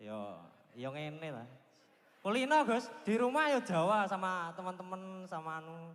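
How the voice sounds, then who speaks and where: A man with a strong Javanese accent speaks at a moderate pace in a high voice, making very wide pitch swings and big swings in loudness. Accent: thick Javanese. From South Kalimantan, Indonesia. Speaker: audience member. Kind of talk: casual chat.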